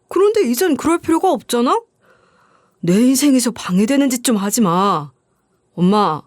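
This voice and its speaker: A woman's voice: fairly high pitch, dry recording, clean studio sound, voice pushed up, lightly acted. A woman voicing a cold young lawyer son. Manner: curt and dismissive. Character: cold young male lawyer ashamed of his mother.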